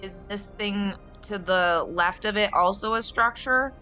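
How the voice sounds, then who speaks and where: Female gamer, bright voice at medium pitch, inquisitive casual chat, light music bed. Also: measured pace. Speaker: roleplaying game player. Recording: music under the voice. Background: background music.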